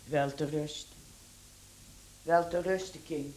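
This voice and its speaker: Low, breathy worried mother. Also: fairly even intonation, slow, darkish tone, rough recording. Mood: subdued. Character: soft, devout, worried middle-aged mother. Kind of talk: radio drama acting.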